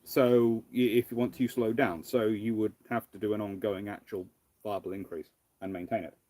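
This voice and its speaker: A man hosting a casual live question-and-answer stream, thinking aloud in a halting, rambling way. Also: lowish voice, little pitch movement, warm tone. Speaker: livestream host, naval historian. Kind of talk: casual live Q&A with off-the-cuff commentary.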